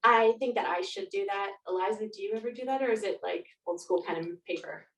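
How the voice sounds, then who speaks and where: A woman's voice: mid-range voice, brisk, slight background noise. A Canadian woman speaking casually as an interview guest, thinking aloud reflectively in loose, trailing clauses. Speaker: podcast guest, nonfiction author. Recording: roomy echo, distant from microphone.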